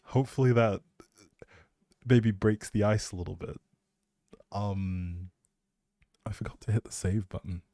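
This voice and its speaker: Chatty guy streaming, kinda low voice, rambling along casually, really dry close mic. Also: a little slow, pauses often, dark tone, dry recording. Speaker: live streamer, host. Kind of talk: casual rambling livestream chat.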